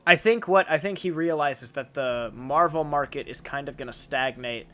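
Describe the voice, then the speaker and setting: A man's voice: a little high, moderate pace, bright, forceful tone. A young man hosting a casual chat, rambling with lots of fillers and restarts. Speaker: channel host.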